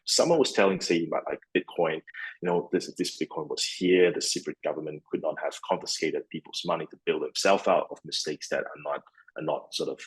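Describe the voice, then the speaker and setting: A man's voice: a bass voice, a little fast, breathy edge, poor audio. A man in his thirties from Malaysia, answering interview questions at length, with many restarts. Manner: rambling, with many restarts and fillers. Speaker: guest, fund CEO.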